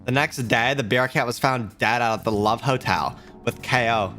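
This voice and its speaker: A man's voice: medium pitch, moderate pace, sharp tone, faint music behind, close to an everyday voice. A man reading game dialogue aloud as a brash, hard-drinking female journalist in a tipsy drawl. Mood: bitter.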